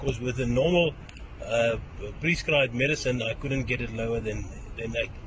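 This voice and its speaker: Against noticeable background noise, a man talks at a moderate pace with ordinary pitch variation and long, frequent pauses. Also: medium pitch for a man. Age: 60s. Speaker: customer giving testimony. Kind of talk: testimony. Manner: halting.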